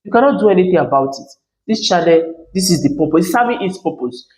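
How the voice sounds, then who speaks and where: A woman's voice: on the low side, expressive, fast, a little mellow, echoey room, rough recording. A woman with a Nigerian accent giving her opinion as a commentary channel host, emphatic and often asking "you understand?". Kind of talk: reaction commentary monologue.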